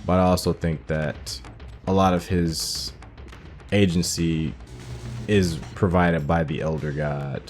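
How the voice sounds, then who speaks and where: A man with a very low voice gives relaxed commentary on a game he is playing. He muses out loud about the story and works through his thoughts as he goes. Game music plays faintly under his talk. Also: slow pace. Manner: musing, thinking aloud while playing. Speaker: gaming channel host. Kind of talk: casual let's-play commentary.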